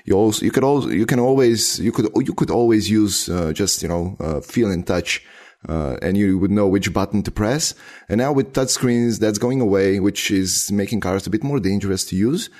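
Man, very low voice, non-native English speaker, hesitant pauses, casual tech chat. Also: a little mellow. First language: not English. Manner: hesitant, many filler pauses.

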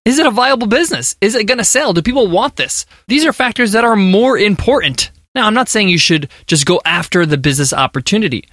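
A man's voice: sits high, expressive, fast, few pauses, fairly bright tone, no room sound, studio quality. Upbeat American man giving business advice. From United States. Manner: earnest, emphatic, motivational. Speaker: podcast host.

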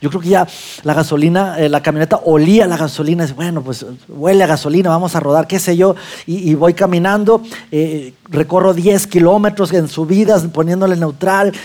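A man with a Mexican accent telling a lively personal anecdote to an audience, acting out his own lines as he goes. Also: on the high side, fairly quick.

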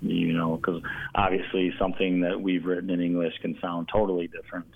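Low-pitched American man on a phone-like line. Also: little pitch movement, brisk, gravelly. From United States. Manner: rambling, earnest, often says "you know". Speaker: poet, interview guest. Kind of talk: casual conversation. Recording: tinny narrow phone-like line.

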